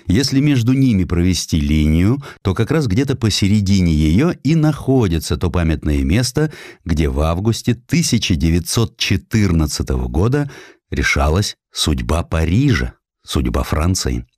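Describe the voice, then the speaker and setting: A man with a deep voice narrates historical prose like a storyteller. His delivery is measured and theatrical, and the sound is dry, with no room around it. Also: very animated, a little mellow, no room sound. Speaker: audiobook narrator.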